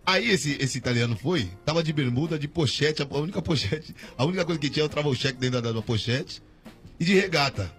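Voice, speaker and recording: A man's voice: fairly high pitch, animated, brisk, fairly bright tone, soft background music. A man, a guest on a radio show, telling a story in slangy casual talk with many restarts.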